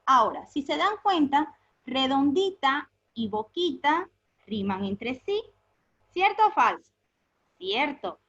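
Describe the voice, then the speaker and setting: A woman teacher giving a recorded remote lesson, patiently asking her pupils questions, answering them herself and repeating key words slowly. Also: sits high, sing-song, a bit bright, dull audio.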